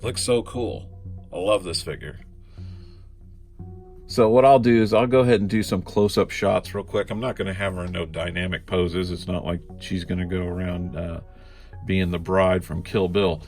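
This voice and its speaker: Deep gravelly man, congested. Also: fairly even intonation, moderate pace, a little mellow, faint music behind. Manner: rambling, laid-back, frequent fillers. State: congested from a cold. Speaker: collectibles reviewer. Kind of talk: casual unboxing review.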